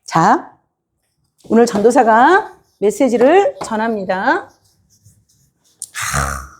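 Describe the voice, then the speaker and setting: A woman's voice: fairly high pitch, wildly swooping pitch, extremely slow, a little hiss or hum. A woman preacher giving a sermon in a church, quizzing her congregation and acting out the people she talks about. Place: church sanctuary.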